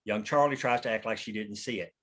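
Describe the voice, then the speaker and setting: A man's voice: on the low side, brisk, a bit bright. A man narrating stage directions at a script table read.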